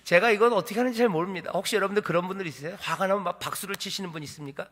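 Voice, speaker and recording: A male pastor preaching an animated sermon, firing rhetorical questions at the congregation. His voice sits high and rings bright. The sound carries the long reverb of a church hall. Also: racing.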